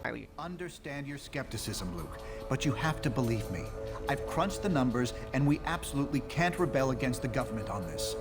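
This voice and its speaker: An actor playing a brainy scientist superhero in a video game, formal and precise, reasoning in a placating way. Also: male voice, medium pitch, very animated, fairly quick. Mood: earnest persuasion. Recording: music under voice.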